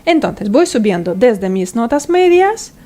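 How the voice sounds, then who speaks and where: Woman singing teacher, fairly high voice. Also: sing-song, a little slow, mellow. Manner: instructive, explains step by step and checks in with the listener. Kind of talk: vocal technique lesson.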